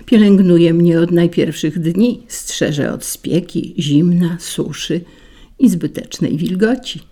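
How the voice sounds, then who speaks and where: A loyal, touchy carnation from a storybook fable, as a woman reads him, earnest and a bit peevish. The voice is husky and low, with a gravelly grain. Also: slow pace, dark tone. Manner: irritable, then earnest.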